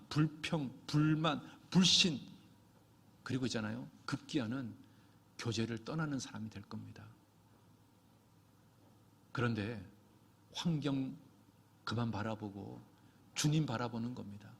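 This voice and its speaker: A man's voice: mid-range voice, moderate pace, creaky, pauses often, breathy edge. Impassioned male preacher in a reverberant church. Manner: preaching with surges to loud, impassioned exhortation. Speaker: pastor. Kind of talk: sermon. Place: church sanctuary.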